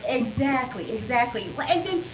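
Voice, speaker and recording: A woman's voice: fairly high pitch, expressive, normal speed, a little hiss or hum, poor audio. A woman co-hosting a casual sports podcast, chiming in with emphatic agreement. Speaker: podcast co-host.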